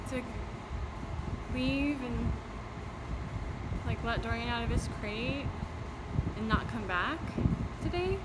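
A woman's voice: a little high, heavy background noise. A young woman chatting casually in a vlog, talking in an easygoing way full of "like" fillers. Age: young adult. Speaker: vlogger.

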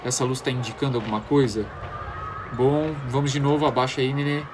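A man's voice: mid-range voice, steady tone, fairly quick, noisy background. A man with a Brazilian accent commentating on a horror game, panicky and easily startled. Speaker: gamer.

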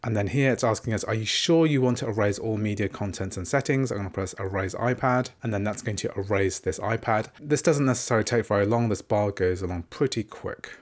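A man hosting a tech tutorial, calmly walking through each step on a tablet at a desk. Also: on the low side, brisk, few pauses. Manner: calm, methodical, narrating each tap. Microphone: small handheld gimbal camera.

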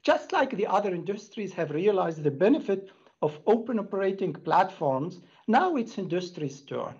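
A middle-aged man delivers a prepared business presentation with earnest emphasis. His voice is husky and rough-edged. The sound is slightly dull, as on a video call. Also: high-pitched, sing-song, moderate pace, darkish tone. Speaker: company executive presenter. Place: indoor room, plain wall.

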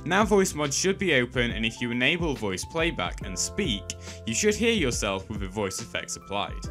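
A man's voice: medium pitch, big pitch swings, moderate pace, a bit bright. A man reads scripted step-by-step instructions as a tutorial host, with emphatic sing-song phrasing that drops at sentence ends. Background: background music.

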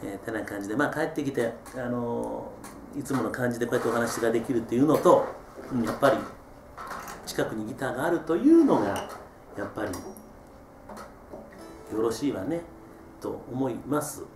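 A middle-aged man, hosting a casual solo radio-style chat. He reads out listener messages in a relaxed, chatty way, with many drawn-out filler sounds. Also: medium pitch, gravelly, noisy background. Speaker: host reading listener messages. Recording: roomy echo.

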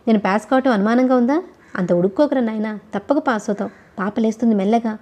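A woman reading out the lines of an affectionate, gently teasing grandmother in an audiobook novel. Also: fairly high pitch, fast, close to an everyday voice. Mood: loving. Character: warm, doting grandmother, middle-aged woman.

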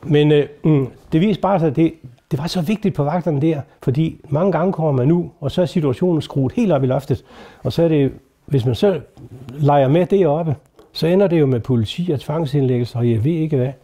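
Older man, retired doctor, mellow voice, hesitant storytelling, lots of fillers, live talk. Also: on the high side. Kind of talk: anecdotal lecture to an audience. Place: talk before a live audience.

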